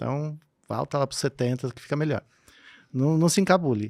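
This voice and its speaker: A man of medium pitch with ordinary pitch variation, in a very clean recording with a silent background and a dry, close sound with no echo. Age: 60s. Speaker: Buddhist monk and teacher. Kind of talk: interview. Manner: energetic.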